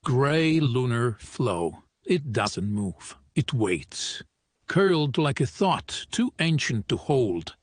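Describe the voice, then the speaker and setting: An ominous male storyteller, voiced by a man. His husky tone carries a slow, eerie, measured delivery. The recording sounds dry and close. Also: mid-range voice, very animated, no room sound. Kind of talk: scripted dialogue sample.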